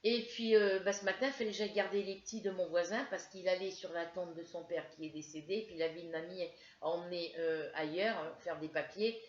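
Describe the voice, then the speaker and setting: Speaking fairly quickly in a low, steady voice, a French crafts vlogger gives her viewers a casual, wandering story to camera, with lots of hesitations as she battles a headache and feels ill. The lo-fi home recording is dull and roomy.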